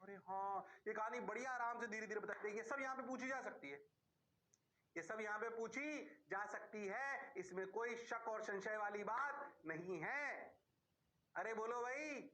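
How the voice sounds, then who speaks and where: A man's voice: normal speed, sharp tone. A male physics teacher, giving a playful online lecture in a singsong voice and answering his own questions. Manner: singsong, answers himself in a low student voice; playful, rhyming catchphrases.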